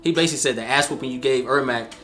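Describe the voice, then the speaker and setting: A woman giving casual, slangy reactions as a video host, excitable in manner. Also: a bass voice, racing. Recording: game music clearly behind the voice.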